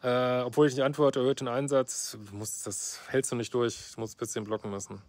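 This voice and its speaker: A man's voice: medium pitch, fairly even intonation, a little fast, darkish tone, dry recording. A middle-aged man, a couples therapist, reading out a viewer's letter and commenting on it bluntly and sarcastically. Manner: blunt, sarcastic, frequent "ne?" tags and fillers. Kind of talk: casual reaction vlog, reading out and commenting.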